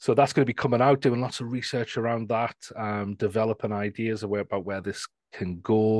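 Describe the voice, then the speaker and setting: Against a quiet background, a man with a Geordie accent talks at a fairly quick pace with fairly even intonation, the sound dry and close with no echo. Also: medium pitch for a man. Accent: Geordie (Newcastle English). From northern England; Newcastle. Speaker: AI education consultant.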